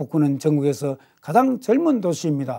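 Against a quiet background, a man with a dark, mellow tone talks at a moderate pace with lively intonation. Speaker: city council member. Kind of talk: acceptance speech. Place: studio. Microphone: lapel.

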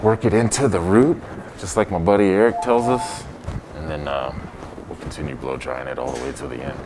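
A man with an American accent and very deep, low pitch at a fairly quick pace, with very wide pitch swings, big swings in loudness, and noticeable background noise. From Eastern Pennsylvania, near Allentown; Eastern Pennsylvania. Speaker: barber. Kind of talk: tutorial. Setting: barbershop. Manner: animated. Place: shop.

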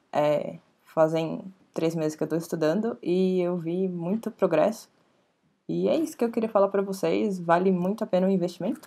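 Her tone is dark and mellow. This woman's pitch shifts in ordinary measure. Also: moderate pace. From Brazil. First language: Portuguese (speaking French). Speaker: language student. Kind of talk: testimonial. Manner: halting, many hesitations and repetitions. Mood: calm, mildly enthusiastic. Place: home room. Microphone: earbuds.

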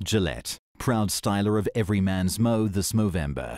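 A man talks at a moderate pace in an ordinary speaking voice with a fairly low pitch and ordinary pitch variation. The sound is dry with no echo, over a quiet background. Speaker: voice actor. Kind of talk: TV commercial read. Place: studio. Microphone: studio mic.

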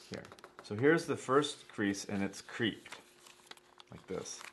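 Light background noise sits behind a man's voice. He speaks at a fairly slow pace with a fairly low pitch. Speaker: origami teacher. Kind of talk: tutorial.

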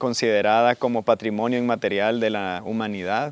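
The sound is dry and close with no echo. A man speaks at a medium pitch with fairly even intonation. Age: 30s. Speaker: capoeira practitioner. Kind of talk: interview testimony. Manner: halting, frequent repetitions.

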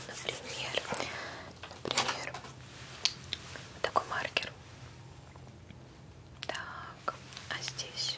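A soft-spoken woman whispers at a very slow pace, with long, frequent pauses. Noticeable background noise sits behind her. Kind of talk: ASMR role-play. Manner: soft ASMR whisper, doctor roleplay. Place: home room.

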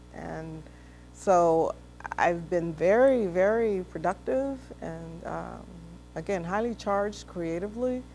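A woman with an American accent at a very slow pace, with big swings in loudness and light background noise. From San Francisco, California. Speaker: talk show host and educator; talk show host, educator. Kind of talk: interview. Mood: warm, reflective, smiling. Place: studio. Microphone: lapel.

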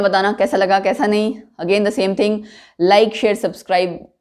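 Against a quiet background, a woman of medium pitch talks at a moderate pace with ordinary pitch variation. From India. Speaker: chemistry teacher. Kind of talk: lecture. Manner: casual, chatty. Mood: warm, friendly. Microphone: lapel.

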